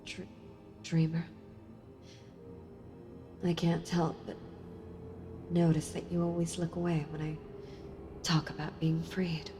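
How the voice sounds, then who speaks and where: A woman playing a sealed-away female villain in an audio role-play, speaking to the listener tenderly, intimately and with hesitant pauses. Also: fairly low pitch, monotone, warm tone. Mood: tender, earnest. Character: sealed-away female villain, wistful, softly seductive and enthralled. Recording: long reverb with music behind. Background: music.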